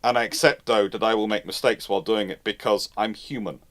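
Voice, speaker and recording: A man hosting a live talk, explaining things off the cuff in an animated, emphatic way, often rephrasing mid-sentence. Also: fairly low pitch, fairly quick. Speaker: host of naval history live Q&A. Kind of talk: off-the-cuff explanatory commentary, answering listener questions.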